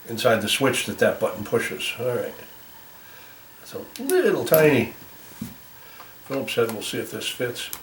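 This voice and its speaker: A man talking through a hands-on repair casually, thinking aloud in a careful, halting way as he works. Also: medium pitch, very animated. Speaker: volunteer repairer demonstrating a fix. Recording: roomy, distant mic, faint noise.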